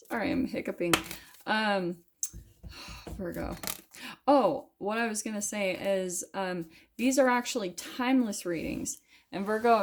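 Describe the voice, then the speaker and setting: A woman's voice: mid-range voice, a little mellow. A woman giving a casual tarot reading straight to her viewers. She talks loosely, with plenty of fillers and the odd casual swear. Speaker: tarot reader.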